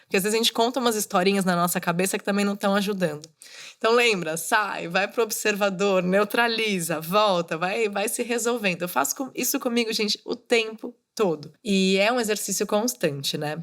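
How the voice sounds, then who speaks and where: This solo podcast host, a woman in her thirties, speaks a little fast in a mid-range, fairly bright voice. Her monologue is motivational and casual, with direct coaching aimed at listeners.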